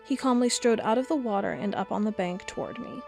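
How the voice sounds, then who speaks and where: A woman playing an earnest cryptid blogger, telling a first-person account in a measured storytelling way for an audio drama. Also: mid-range voice, gravelly, music in the background, close to an everyday voice. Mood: awed. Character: earnest female cryptid blogger, awed amateur monster hunter.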